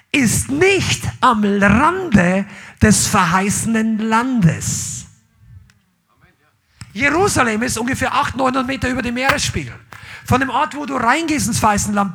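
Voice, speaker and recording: A man preaching a sermon as pastor at a church service, animated, swinging between loud calls and quiet asides, dropping in English phrases. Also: high-pitched, slightly rough.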